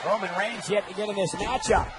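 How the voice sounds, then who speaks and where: A man doing excited live wrestling commentary as play-by-play caller, exclaiming and calling the action in short bursts. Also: sits high, a little fast. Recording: loud arena crowd and noise behind. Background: roaring arena crowd.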